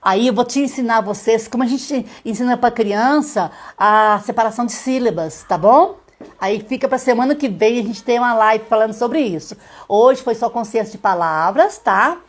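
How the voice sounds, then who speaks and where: A woman's voice: a little high, animated. Middle-aged woman, literacy teacher, live-stream lesson, patient step-by-step explainer. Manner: sounds out letters slowly.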